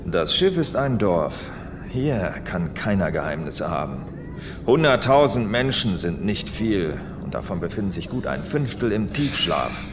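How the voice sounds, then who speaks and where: A fatherly, weary senior policeman played by a man speaks in a science fiction radio play. His middle-aged voice is on the low side and moves animatedly in pitch, with clear noise around it. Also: very animated, measured pace. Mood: pondering. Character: fatherly, weary older male police superior. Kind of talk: audio drama acting.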